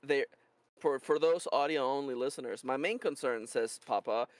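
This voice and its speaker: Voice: medium pitch, normal speed, dry recording. A streamer who is not a native English speaker, with a slight Californian accent, chatting casually, reading out chat and often restarting words. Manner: stammering restarts, reads chat aloud. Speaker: streamer co-host.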